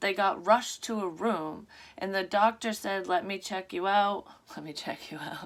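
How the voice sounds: Fairly even intonation in a natural reading voice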